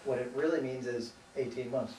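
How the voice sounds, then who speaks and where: With a steady, warm, mid-range voice at a moderate pace, an American man from the United States talks about his life as the interviewee. His casual conversation wanders and hesitates, often fading out mid-thought, with offhand swearing. Faint noise, a roomy echo, and a distant mic mark the recording.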